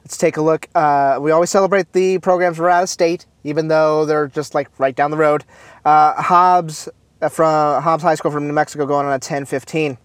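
A man hosting a casual talk show, chatty and upbeat, with many fillers, restarts and quick asides. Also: on the high side, steady tone, smooth, dry recording. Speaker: host. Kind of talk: casual chat about marching bands.

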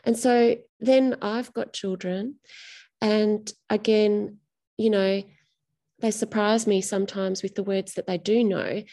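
A woman's voice: mid-range voice, fairly even intonation, slow pace, dark tone. A middle-aged woman, an author talking through her novel in an interview, thoughtful and often restarting her phrases. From Australia. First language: Greek.

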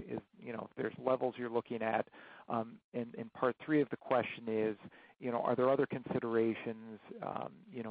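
A man working as a financial analyst, asking questions haltingly on an earnings call over the phone. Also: medium pitch, gravelly, no echo. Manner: halting, hedging, piecing questions together. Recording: thin, band-limited phone line, dry.

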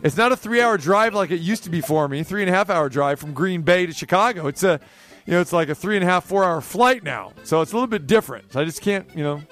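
A man's voice: sits high, lively intonation, quick pace, fairly bright tone, faint music behind. A man hosting a sports radio show, chatting casually and teasing his guest, with many restarts.

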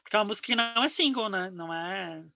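Guy in his 30s gushing about songs on a podcast, bright voice, dry slightly dull lo-fi sound. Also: high-pitched, animated, rapid-fire, creaky, no room sound. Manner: rambling, filler-heavy, enthusiastic. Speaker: podcast co-host. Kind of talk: casual chat about music.

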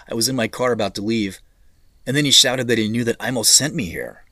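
A man's voice: mid-range voice, moderate pace, bright, forceful tone, dry recording, studio quality, close to an everyday voice. A man playing a wry, thoughtful tech executive in an audio drama, speaking in an understated, conversational way. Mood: pensive. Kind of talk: naturalistic audio drama dialogue.

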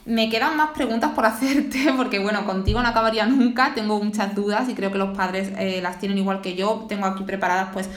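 A woman's voice: mid-range voice, fairly even intonation, brisk, hardly any pauses. Woman podcast host in a roomy room. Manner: friendly interviewer, sums up and leads to questions. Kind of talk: podcast interview. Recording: roomy echoing sound.

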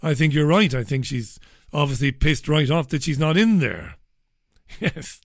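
A male radio host, hoarse and losing his voice, chatting casually and joking as he reads out listener messages. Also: on the high side, sing-song, moderate pace, no echo, clean studio sound.

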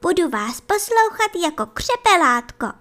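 A woman voicing a timid little male bunny who begs his mother in a high, pleading voice. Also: very animated, bright, forceful tone, exaggerated voice. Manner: high crying calls, eager pleading.

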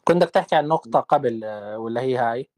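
Man, discussion host, very fast talker, dry close sound. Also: medium pitch, dry recording. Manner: animated, rapid-fire rhetorical questions. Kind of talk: casual online debate.

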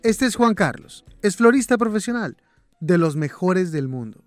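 A man, hosting a podcast with measured, scripted narration. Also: sits high, big pitch swings, dry recording, faint music behind. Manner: measured, clear presenting. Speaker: podcast host.

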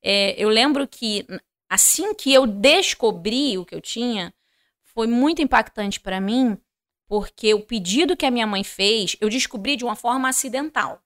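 A woman's voice: on the high side, moderate pace. A woman, a podcast guest telling her faith testimony, who acts out the dialogue she quotes and speaks straight to the listeners. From Rio de Janeiro, Brazil. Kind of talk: personal faith testimony in conversation.

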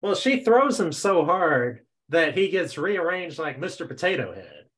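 Podcast guest, man, fairly high voice, wry joker, casual chat. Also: sing-song, a little slow, a bit bright. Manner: joking and wry, often laughing. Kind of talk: casual chat recapping a cartoon episode.

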